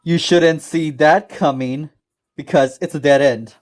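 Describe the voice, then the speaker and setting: A woman's voice: deep voice, unhurried, darkish tone. A woman voicing a bratty, mocking, gleefully destructive villain in a fan-made cartoon parody dub.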